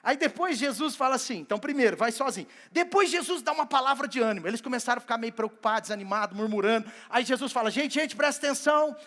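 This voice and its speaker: A man preaching a sermon at a church service, telling Bible stories in a lively way and acting out the characters. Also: very high voice, very fast, hardly any pauses. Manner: animated storytelling that acts out biblical scenes. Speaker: pastor.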